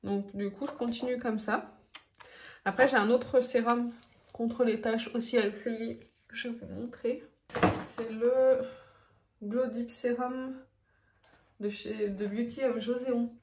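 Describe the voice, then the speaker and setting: A woman's voice: on the high side, fairly even intonation, slow, pauses often, a little mellow. A woman talking through her routine in a casual, chatty vlog, with frequent fillers and little laughs. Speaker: beauty vlogger. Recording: echoey room, faint background noise.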